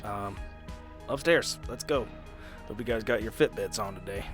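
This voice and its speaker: A man's voice: fairly low pitch, normal speed, over music. A man playing a tabletop game, joking loosely and describing what his character does. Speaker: player. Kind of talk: casual tabletop game play.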